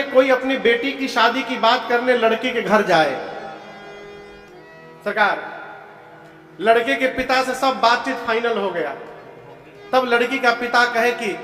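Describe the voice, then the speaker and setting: Brief: man, high voice, slow storytelling preacher with an Eastern Uttar Pradesh accent, chants verses, echoey hall with faint music. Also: fairly bright tone. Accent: Eastern Uttar Pradesh (Purvanchal). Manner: storytelling, questions the audience, chants verses slowly. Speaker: kathavachak preacher. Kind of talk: devotional sermon with sung verses.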